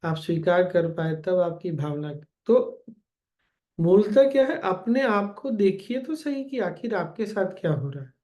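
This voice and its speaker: A man giving a gentle spiritual discourse as a teacher, calmly addressing his listeners directly. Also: sits high.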